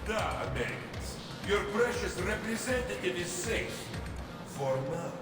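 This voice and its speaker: A grandiose armored villain with a Russian accent. He taunts slowly in a raised, pompous voice. It echoes, with loud music behind. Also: high voice, expressive, distant mic. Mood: taunting. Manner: slow, pompous, threatening. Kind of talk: video game villain acting.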